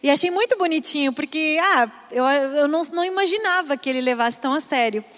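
A woman's voice: sits high, expressive, brisk, fairly bright tone, in a large hall. A woman sharing a heartfelt family story as co-host of a talk with her husband. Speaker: pastor's wife, co-host.

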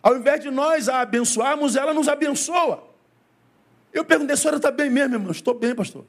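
A middle-aged male pastor speaks a little fast as he preaches to his congregation, putting questions to them. Pitch and pace vary widely throughout.

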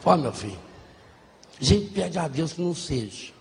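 A man voicing a weary, resigned father, talking slowly with a sigh in his voice. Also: on the high side, sing-song, creaky. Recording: echoey hall, faint noise.

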